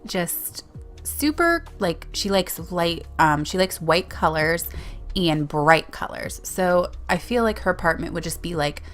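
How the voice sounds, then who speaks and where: A woman's voice: lowish voice, lively intonation, unhurried, fairly bright tone, soft background music. A woman giving a casual, rambling voiceover for a video game build, with many small self-corrections. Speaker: Sims YouTuber narrating a speed build.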